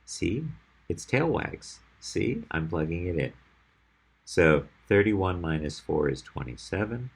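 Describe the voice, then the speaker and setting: A man whose first language was Albanian teaches math to a class. His voice is very low and a little husky, and he speaks slowly with lively rises and falls. He walks through each step patiently and keeps checking that his students follow. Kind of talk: classroom lecture on functions.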